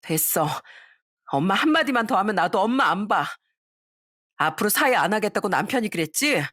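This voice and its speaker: Woman playing a furious wife, sharp and accusing, raised pitch, dry sound, storybook reading. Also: lively intonation, normal speed, dry recording. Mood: angry. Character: furious young wife scolding her mother.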